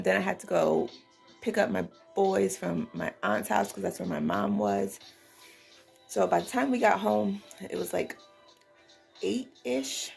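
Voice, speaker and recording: A woman vlogger chatting casually, sounding exhausted and weary, with a creaky, gravelly voice. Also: lowish voice. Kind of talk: casual vlog chat.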